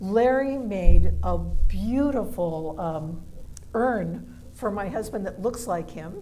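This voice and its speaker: At a very slow pace, a woman with a dark, mellow tone, medium pitch and vocal fry uses lively intonation and big swings in loudness, with audible room echo. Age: 70s. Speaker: talk show host. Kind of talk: panel discussion. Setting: senior center event with live audience. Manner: halting, many fillers.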